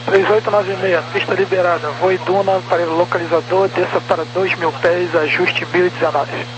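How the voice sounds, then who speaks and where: A man's voice: high-pitched, steady tone, moderate pace, lo-fi sound, a crowd in the background. A man working as an air traffic controller, giving clipped procedural instructions over crackly, military-style radio. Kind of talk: aviation radio communication. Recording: noisy humming control radio.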